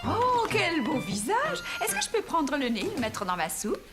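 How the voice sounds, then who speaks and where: Cartoon grandmother: cheerful, high voice, encouraging, very expressive, music behind. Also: normal speed. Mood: delighted, encouraging. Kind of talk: French children's cartoon acting.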